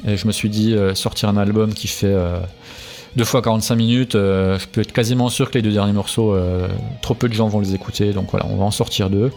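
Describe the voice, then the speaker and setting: A man with a low, gravelly voice talks through his band's records in a casual interview. He hesitates a lot, filling gaps and restarting phrases. Faint music plays under the talk. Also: steady tone, fairly quick, a little mellow. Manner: hesitant, many fillers and restarts. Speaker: musician guest.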